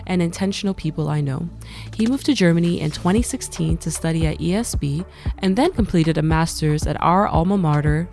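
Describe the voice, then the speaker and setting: A woman's voice: lowish voice, darkish tone. A woman hosting a podcast, reading a polished, upbeat introduction. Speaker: podcast host.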